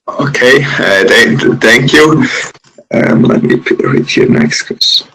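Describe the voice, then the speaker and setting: A man from Switzerland with a Swiss accent, moderating a webinar question-and-answer session in a hesitant, halting way. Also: mid-range voice, pushed and bright, breathy edge, low-quality recording.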